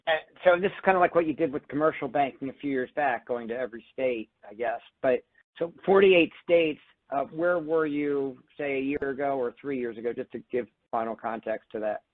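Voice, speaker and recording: A man's voice: mid-range voice, a little fast, no room sound. Casual man on a dry phone line. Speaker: financial analyst asking questions. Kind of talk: casual follow-up question.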